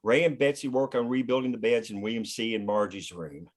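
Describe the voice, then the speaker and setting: A man's voice: mid-range voice, fairly even intonation, a little fast. A man reading stage directions as the narrator of a screenplay, in scripted narration.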